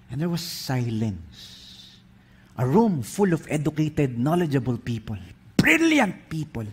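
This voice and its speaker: A man with a Filipino accent preaching a sermon, telling stories in an animated way while switching between English and Filipino. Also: on the high side, takes it slowly, husky.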